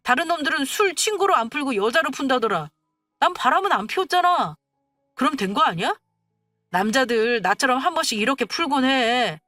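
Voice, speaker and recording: A woman's voice: sits high, lively intonation, a little fast, bright, forceful tone, no echo, clean studio sound, faint music behind, pitched above the performer's own voice. A woman voicing a young husband in a storybook tale, who makes excuses and pleads. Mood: excusing. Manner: wheedling, making excuses.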